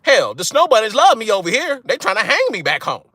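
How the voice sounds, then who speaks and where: Young man, blunt rant-style host, bright edge, dry close mic. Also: high-pitched, wildly swooping pitch, brisk, no echo. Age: young adult. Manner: blunt, profane, repeats "right?" for emphasis. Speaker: channel host. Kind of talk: casual monologue to viewers.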